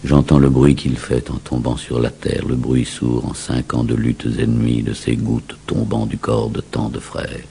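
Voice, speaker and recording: A man reciting verse in a grave, declamatory, solemn dramatic style with a husky voice. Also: very deep voice, completely flat delivery, a little slow, few pauses, warm tone, a little hiss or hum. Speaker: poetry reciter.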